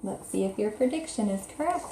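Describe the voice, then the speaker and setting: A woman teacher reading a children's story aloud expressively and pausing to explain and ask questions in simple, child-directed language. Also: mid-range voice, expressive, warm tone, a little hiss or hum. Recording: roomy, echoey indoor sound.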